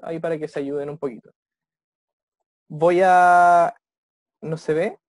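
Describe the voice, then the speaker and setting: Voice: medium pitch, fairly even intonation, no room sound. Teacher on a video call, patient online lesson, dry close sound, constant check-in tags. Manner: tags nearly every phrase with "cierto?" or "ya?"; slows down to model English phrases. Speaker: English teacher.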